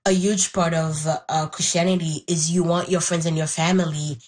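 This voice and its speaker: A woman's voice: low-pitched, level tone, normal speed, darkish tone. A young woman from Haiti whose first language is Haitian Creole, thoughtfully telling her own story as an interview guest and searching for the right words. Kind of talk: reflective personal story.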